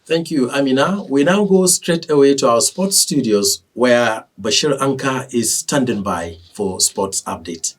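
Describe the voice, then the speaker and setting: A male news anchor with a Nigerian accent delivers scripted bulletins formally and with measured phrasing. His voice is husky and mid-pitched, picked up a little way from the microphone. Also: recorded from a distance.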